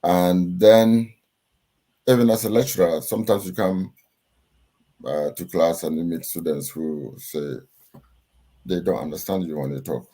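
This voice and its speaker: A middle-aged man with a Ghanaian accent, giving steady, instructive interview answers with frequent pauses and fillers. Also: deep voice. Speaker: guest, chartered accountant and lecturer.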